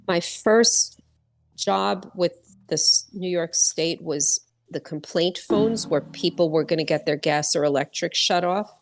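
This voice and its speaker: A woman's voice: on the low side, measured pace. A woman from the US chatting casually while playing a board game online, often restarting her sentences. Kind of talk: casual chat while gaming.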